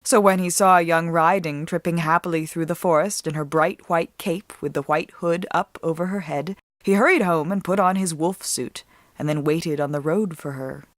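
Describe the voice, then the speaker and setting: A woman giving a dramatic, measured storybook narration, reading as an author with deliberate expression. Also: lowish voice, no room sound, studio quality.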